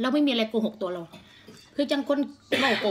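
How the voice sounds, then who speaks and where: Light background noise accompanies a woman whose pitch varies in an ordinary way. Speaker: eating show host. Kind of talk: casual vlog chat. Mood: lively, brash and irritated. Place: home room. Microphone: phone near.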